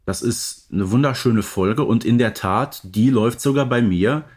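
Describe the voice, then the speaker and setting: A man's voice: medium pitch, moderate pace, darkish tone, breathy edge. A man, chatting casually as a fan podcast co-host.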